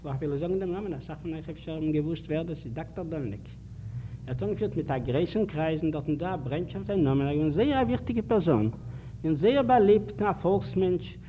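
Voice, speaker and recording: A man's voice: a little high, expressive, normal speed. A man giving a public lecture, telling anecdotes and putting emphatic rhetorical questions to his listeners. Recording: tinny archival 1950s lecture tape with faint hiss.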